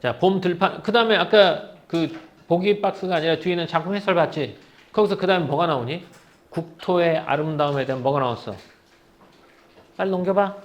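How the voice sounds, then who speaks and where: Guy with a fairly high voice going through a poem for a test, reads a line then explains it, keeps asking the class stuff. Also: a little fast. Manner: reads poem lines aloud, then paraphrases them in casual speech and quizzes students. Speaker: Korean literature teacher. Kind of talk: exam-prep poetry lecture.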